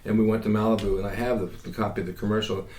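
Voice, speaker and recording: Low voiced guy, talks fast, cracking jokes, echoey room, faint hum behind. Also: level tone, a little mellow. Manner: rapid anecdotes, joking. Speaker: guest, former actor and bodybuilder. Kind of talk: casual interview chat.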